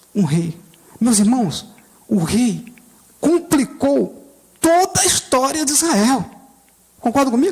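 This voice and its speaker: An extremely high-pitched man speaks very slowly, with long, frequent pauses, very wide pitch swings and very even loudness. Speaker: pastor. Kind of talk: sermon.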